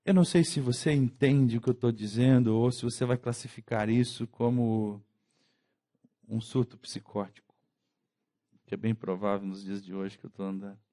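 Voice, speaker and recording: A man with a Brazilian Portuguese accent, a pastor preaching a conversational sermon in church, acting out quick dialogues as he goes. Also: mid-range voice, fairly even intonation, warm tone.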